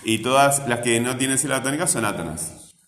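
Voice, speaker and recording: In an echoey classroom with roomy reverb, a man teaches a grammar lesson, asking patient, coaxing questions and sounding out words syllable by syllable. His medium-pitched voice is expressive, a little fast, and fairly bright.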